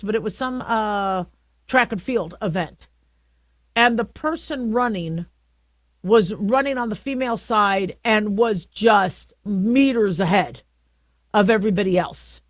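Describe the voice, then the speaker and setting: A middle-aged woman with a deep voice hosting a talk radio show, talking through her views in a conversational way with frequent restarts. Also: no room sound. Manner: conversational, halting with many restarts. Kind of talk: opinionated talk radio monologue.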